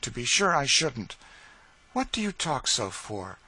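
A man voicing a brisk, kindly lady of the house in an audiobook, gently scolding and reassuring. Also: mid-range voice, very animated, husky, voice pushed up, full character voice. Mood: chiding reassuring.

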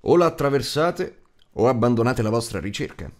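Stern old male wizard, acted by a male narrator, audiobook, emphatic warnings, very animated intonation. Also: mid-range voice, normal speed, natural voice. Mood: grave warning. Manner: emphatic, admonishing. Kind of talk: audiobook character acting.

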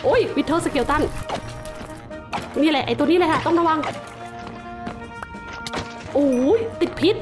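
High-voiced chatty woman gamer. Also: measured pace, pauses often. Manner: chatty, startled exclamations, talks to game mobs. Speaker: gaming channel host. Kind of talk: casual game commentary. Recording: music playing behind the voice.

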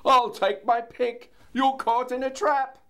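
A man voicing a sly, hungry big bad fox in a picture-book reading, talking slowly in a breathy, wheedling whisper. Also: very high-pitched, little pitch movement, fairly bright tone, pitched above the performer's own voice, heavily acted. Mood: gloating. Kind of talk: picture-book read-aloud.

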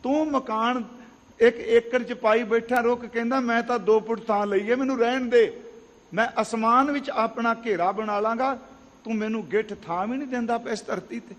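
High-voiced man preaching in a reverberant hall. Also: fairly even intonation, moderate pace. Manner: earnest, explanatory, asks rhetorical questions. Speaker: katha preacher. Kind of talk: Sikh katha sermon. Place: large gurdwara hall.

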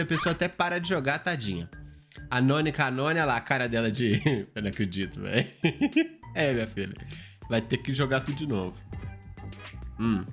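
A man, a gaming YouTuber, reacting to game clips in an excitable, exclamatory way, swinging from jumpy high shouts to low mutters.

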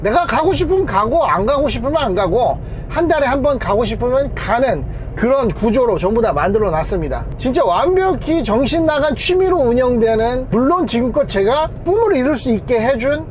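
A man's voice: very high-pitched, very animated, fairly quick, slight background noise. A man in his thirties talking casually and with self-assurance to his vlog camera. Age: 30s. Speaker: YouTuber, car collector. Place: mostly inside a car, sometimes outdoors.

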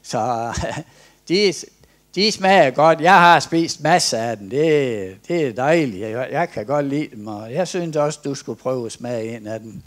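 A man voicing a sly male devil who tempts, in a soft, persuasive manner, while telling a story in a sermon. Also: medium pitch, lively intonation, pitched below the performer's own voice, lightly acted. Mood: coaxing.

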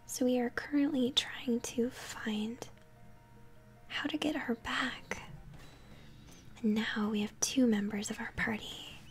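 A young woman whispers her way through a video game in a soft, breathy ASMR style. Her voice sits a little high and is gentle and chatty, close to the mic. Faint music plays behind her. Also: fairly even intonation. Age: young adult. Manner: gentle, chatty, unhurried narration of play. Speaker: game streamer, host. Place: small home room, indoors.

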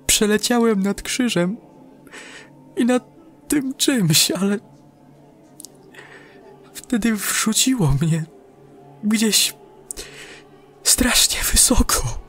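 A man voicing a terrified astronaut lost in space, halting, strained and breathy, in an audio horror story. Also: high-pitched, lively intonation, a bit bright, faint music behind, voice pushed up, exaggerated voice. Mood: frightened, dazed.

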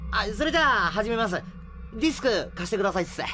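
Animated, chipper junior crewman. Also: high voice, fast talker, a little hiss or hum, exaggerated voice. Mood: chipper, sheepish. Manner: casual junior-underling speech. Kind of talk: anime-style audio drama acting.

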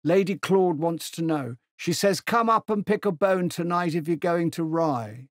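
Man reading as a hearty old general, bluff, stammers, higher voice, dry studio sound. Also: a little slow, dry recording.

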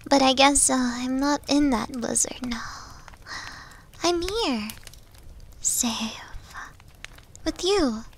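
A woman playing a needy, devoted young yandere wolf girl in an ASMR roleplay, with a hesitant, breathy, pleading manner. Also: high-pitched, a little hiss or hum, full character voice.

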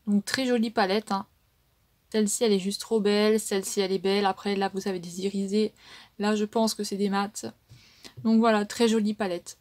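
A woman's voice: mid-range voice, fairly even intonation, brisk, a little mellow. A woman with a French accent casually reviewing makeup palettes, chatty and full of fillers. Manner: chatty, many fillers and "donc". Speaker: beauty vlogger.

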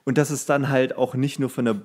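A man with a medium-pitched voice co-hosts a casual podcast. He talks in slangy, crude banter and tends to grumble and rant. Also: flat delivery, brisk, a little mellow. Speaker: podcast co-host. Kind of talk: casual chat, ranting banter.

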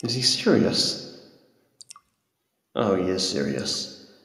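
A man playing a frightened, humiliated young captive in an ASMR roleplay, halting and timid, with a gravelly voice. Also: sits low, sing-song, fairly bright tone, heavily acted. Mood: nervous resolve. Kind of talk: ASMR roleplay audio drama. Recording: echoey, long cavernous reverb.

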